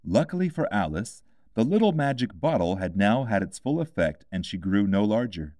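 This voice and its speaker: Male storybook narrator: lowish pitch, lively intonation, dry close sound. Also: moderate pace, no echo. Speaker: audiobook reader.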